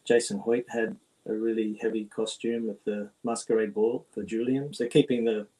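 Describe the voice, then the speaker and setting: A makeup artist on a panel, a man answering questions in a halting way, searching for words. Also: on the low side, little pitch movement, mellow, low-quality recording.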